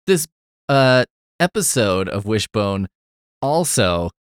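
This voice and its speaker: A middle-aged man with a low voice talks casually on a podcast, recorded dry and close with no room sound. He rambles through a story full of fillers and asides, sarcastic and quick to swear. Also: no echo. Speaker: podcast host.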